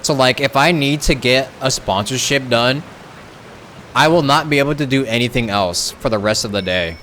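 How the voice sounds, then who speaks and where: A man's voice: mid-range voice, moderate pace, sharp tone, slight background noise. A man streaming a game live, chatting in a rambling, casual way and saying "like" a lot.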